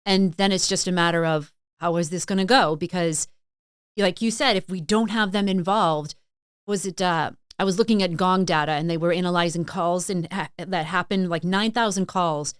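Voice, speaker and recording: A middle-aged woman from Massachusetts and Maine, a sales consultant and author chatting as a podcast guest, telling stories in a relaxed, talkative way. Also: fairly low pitch, moderate pace, clean tone, no echo, clean studio sound. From Massachusetts and Maine, USA. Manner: chatty, storytelling, frequent "like" and "um". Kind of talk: casual interview chat.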